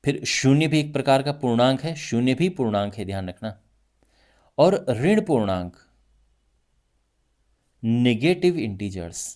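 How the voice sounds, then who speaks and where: A male math teacher giving a lively classroom lesson, talking through each point with frequent check-ins to his students. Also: medium pitch, unhurried, pauses often. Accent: Hindi.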